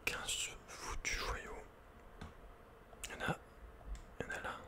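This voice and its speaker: A man with a French accent whispering casual, intimate ASMR video game commentary in a breathy, unvoiced voice, speaking informally to the listener. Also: unhurried. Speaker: ASMR gaming host.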